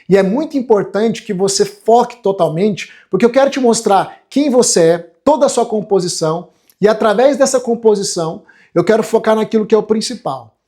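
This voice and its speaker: Teaching an online motivational lecture to viewers, a Brazilian coach in his forties speaks in a high-pitched voice with a dark tone. He's emphatic and sincere, and he keeps asking for his audience's agreement.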